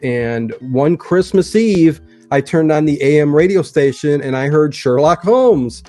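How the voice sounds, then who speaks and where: A man's voice: on the high side, lively intonation, measured pace, mellow. Earnest man chatting over faint music. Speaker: online show creator. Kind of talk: casual chat.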